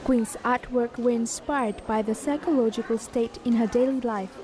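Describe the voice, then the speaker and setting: A woman narrating a news feature in a measured, even reading voice. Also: a little high, noisy background. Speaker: news reporter. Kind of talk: scripted news voice-over. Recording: voice-over with music bed.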